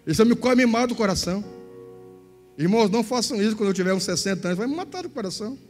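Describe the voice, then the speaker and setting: A man's voice: sits high, rapid-fire. A man with a Southern Brazilian accent preaching a sermon in a large church hall, telling stories animatedly and acting out the people in them. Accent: Southern Brazilian Portuguese. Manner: animated storytelling, voices others in quotes. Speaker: pastor. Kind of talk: sermon with acted-out anecdotes. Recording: echoey church hall with faint music.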